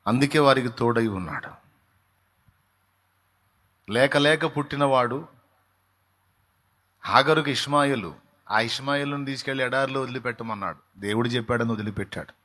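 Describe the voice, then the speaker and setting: A male pastor preaching a sermon with fervour, swinging between quiet, low passages and loud, raised outbursts. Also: normal speed, long pauses.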